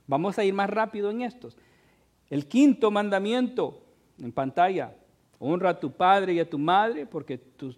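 A man's voice: high-pitched, a little mellow. A pastor preaching a sermon in a conversational way, asking his congregation short questions and rising in force on key points.

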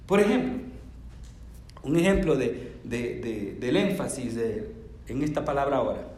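A man preaching a sermon as pastor, animated and emphatic, often asking his listeners questions. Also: mid-range voice, a little slow, reverberant.

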